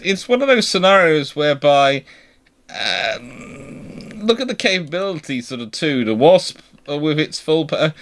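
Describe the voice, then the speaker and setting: A man's voice: fairly high pitch, a bit bright. British man, rambling live-chat host. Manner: discursive, rephrases and corrects himself mid-sentence. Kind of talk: live question-and-answer chat on naval history.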